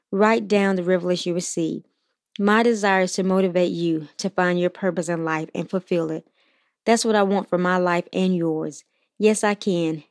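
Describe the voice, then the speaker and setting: A woman hosting a Christian motivational podcast, reading scripture and encouraging listeners in an earnest, steady way. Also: on the low side, no room sound, studio quality. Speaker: podcast host.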